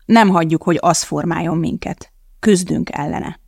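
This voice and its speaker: Reader doing a no-nonsense mom, firm and flat-out blunt, bit of gravel in the voice, dry close sound. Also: mid-range voice, no room sound. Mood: steady. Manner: firm and matter-of-fact. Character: blunt determined woman, a single mother. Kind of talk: audiobook character voice.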